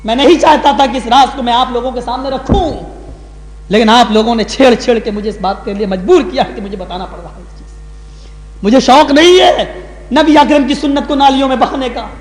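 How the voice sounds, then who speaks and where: A male Islamic preacher giving a sermon to a gathering, telling stories with passion and rising high on key words. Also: a little hiss or hum. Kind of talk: Urdu sermon with dramatic storytelling. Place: large hall, live gathering. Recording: echoey hall with long reverb.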